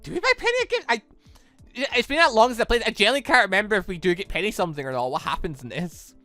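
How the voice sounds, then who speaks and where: This is a chatty let's-play host with a bright, very animated delivery. They read game text aloud and add their own commentary, tripping over the odd line. The sound is dry and close, with music playing behind. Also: medium pitch, very fast, dry recording. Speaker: gaming channel host.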